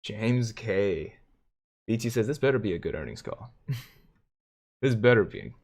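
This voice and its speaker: A man hosting a live stream, commenting on stock charts and reading viewer comments aloud with excitement. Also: lowish voice, measured pace. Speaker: livestream host.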